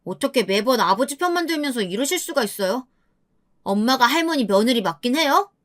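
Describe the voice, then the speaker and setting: A woman's voice: fairly high pitch, lively intonation, a little fast, natural voice. A woman doing an indignant teenage boy. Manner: protesting, insistent. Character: indignant teenage grandson defending his mother.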